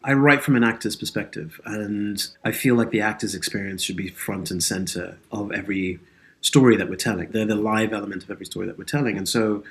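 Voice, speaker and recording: A man's voice: on the low side, fairly even intonation, brisk, fairly bright tone. A man speaking as an interview guest, reflective, earnest and articulate, like an actor and writer discussing his craft. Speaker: interview guest, actor and audio drama creator.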